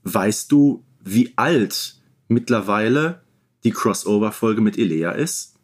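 A man co-hosting a podcast in a casual, measured, explanatory way. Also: fairly low pitch, animated. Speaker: podcast co-host.

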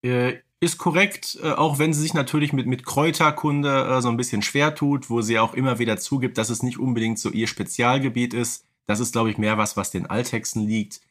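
A man's voice: medium pitch, fairly even intonation, brisk, few pauses, fairly bright tone. A man hosting a casual, humorous fan podcast, speaking wryly with playfully pedantic turns of phrase. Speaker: podcast host.

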